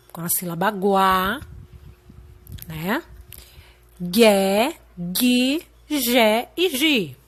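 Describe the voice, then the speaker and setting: Woman teacher, unhurried, patient, checks in often with young pupils. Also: mid-range voice, fairly bright tone. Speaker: primary school teacher. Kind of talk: slow recorded lesson.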